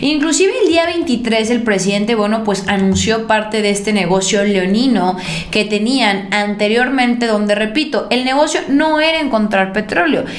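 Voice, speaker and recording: A woman's voice: fairly high pitch, normal speed. A young Mexican woman with a Mexican accent giving emphatic, sarcastic political commentary at her desk, her voice swinging up and down for effect. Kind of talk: opinionated news commentary. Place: indoor room at a desk. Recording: roomy echo.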